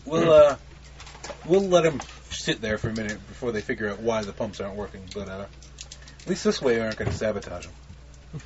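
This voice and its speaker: A man's voice: lowish voice, animated, a little fast, pauses often, a little mellow. A man chatting casually as a player in a tabletop game. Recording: dull lo-fi recording with background noise.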